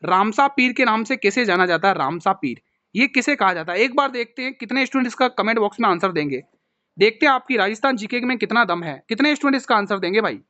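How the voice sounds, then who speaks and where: A man, a coaching teacher solving an exam paper for students in a brisk way, who often calls them "mere bhai". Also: sits high, lively intonation, pushed and bright, no room sound, highs cut off. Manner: brisk, calls viewers "mere bhai", keeps saying "theek hai".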